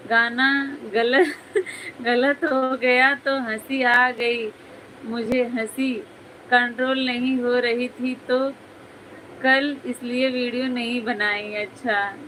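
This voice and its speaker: A woman's voice: fairly high pitch, fairly even intonation, slow, sharp tone, a little hiss or hum, rough recording. A woman hosting a casual live stream, chatting with viewers, reading their comments aloud and teasing them by name, often breaking into giggles.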